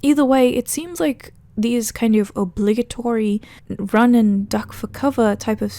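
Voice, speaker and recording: A woman with a fairly high voice and a very soft, mellow tone narrates a video essay. She talks conversationally, recapping and commenting as she goes, with a dry, sardonic edge. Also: a little slow. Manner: conversational, wry, sardonic asides. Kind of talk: casual narrated recap and commentary of a horror web series.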